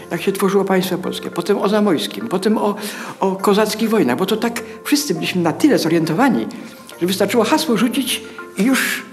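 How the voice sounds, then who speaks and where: Casting note: animated, lively-pitched interviewee, anecdotal, faint music under. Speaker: colleague interviewee.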